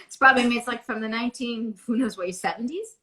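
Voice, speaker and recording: A woman's voice: a little high, animated, fairly quick, heavy background noise. An American woman from Beverly Hills, an actress chatting as a guest in an interview, rambling with many restarts. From United States. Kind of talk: casual interview chat.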